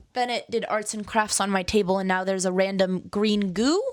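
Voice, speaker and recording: In a very clean recording with a silent background, a woman talks at a moderate pace. She has a normal speaking voice at a medium pitch. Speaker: DJ and content creator. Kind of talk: casual vlog talk. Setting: home podcast room.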